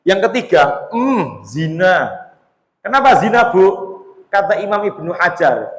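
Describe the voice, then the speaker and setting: A man with a high voice and a Javanese accent preaches in a relaxed, joking way, talking straight to the women in front of him. His voice rings out through a large hall with a long, echoing tail. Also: measured pace. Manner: chatty, joking, mixes Javanese into Indonesian, addresses women in the audience. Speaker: Islamic preacher. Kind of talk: humorous religious lecture. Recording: echoey hall with long reverb.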